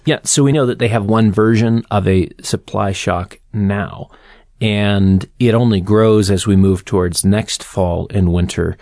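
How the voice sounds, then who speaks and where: Gravelly low-voiced male analyst. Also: darkish tone, no room sound, studio quality. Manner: measured, explanatory, with fillers. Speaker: energy market analyst. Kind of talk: interview answers.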